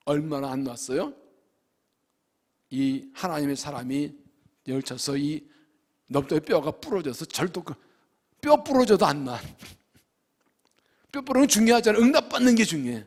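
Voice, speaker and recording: Male pastor, sermon, very lively pitch, gravelly, pleading prayers acted out, church sanctuary reverb. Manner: preaching with sudden loud rises and soft drops; acts out prayers and quotes in a pleading voice. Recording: long reverb of a church hall.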